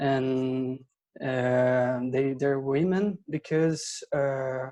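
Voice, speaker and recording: The speaker has a Brazilian Portuguese accent. The pace is very slow. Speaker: film director. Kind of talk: panel Q&A. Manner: halting.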